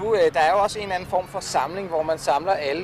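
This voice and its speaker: A man's voice has a dry sound with no echo, set against noticeable background noise. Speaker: local TV presenter. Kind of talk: on-location interview. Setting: outdoors. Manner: hesitant, many fillers. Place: open country. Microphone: handheld.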